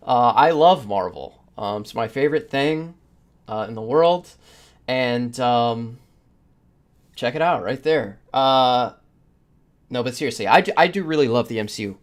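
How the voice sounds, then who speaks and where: A man hosting a podcast in casual discussion, rambling through his opinions with the odd chuckle as he talks. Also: medium pitch. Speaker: podcast host.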